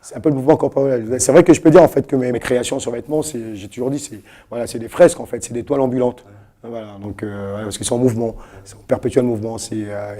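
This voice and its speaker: Man with a low, dark voice talking fast. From Cameroon. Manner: hesitant, many fillers and restarts. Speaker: guest artist. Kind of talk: casual interview talk. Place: web TV studio.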